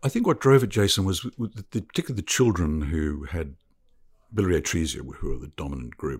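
Very fast and full of vocal fry, a man's very deep, low voice moves in very wide pitch swings. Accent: New Zealand. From New Zealand. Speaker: liver transplant surgeon. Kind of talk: interview. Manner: halting.

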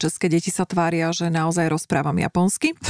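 A woman with an unremarkable speaking voice and a fairly low pitch is heard on a very clean recording with a silent background and a dry, close sound with no echo. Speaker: podcast host. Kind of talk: interview conversation; scripted outro.

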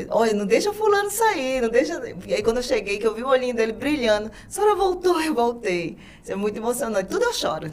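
A woman talks at a very fast pace. Her high voice swings very widely in pitch. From Pará, Brazil (Marabá / Parauapebas). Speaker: pastor and social media influencer. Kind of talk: casual interview chat.

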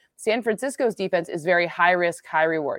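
Against a quiet background, a woman with a slight Midwestern US accent and a fairly low pitch talks at a fairly quick pace in a dry, close sound with no echo. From US Midwest. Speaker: sports analytics expert. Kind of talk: casual chat. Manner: animated.

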